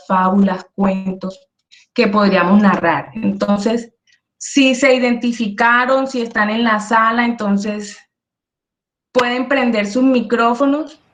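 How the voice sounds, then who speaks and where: Energetic woman teaching, echoey room. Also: fairly high pitch. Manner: energetic, emphatic, asks "¿sí?" often. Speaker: workshop instructor. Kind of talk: online workshop lecture.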